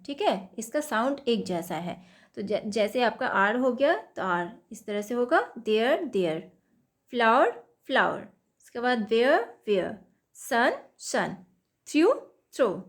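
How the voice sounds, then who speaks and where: A woman with an Indian accent explaining a children's English lesson, reading each question slowly before explaining it. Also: a little high. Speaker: teacher.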